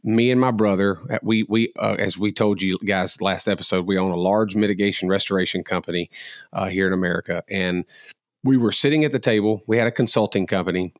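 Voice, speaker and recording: A man's voice: low voice, steady tone, a little fast, no room sound, clean studio sound. A middle-aged man co-hosting a podcast who tells stories in an earnest, reflective way. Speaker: podcast co-host. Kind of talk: casual podcast conversation.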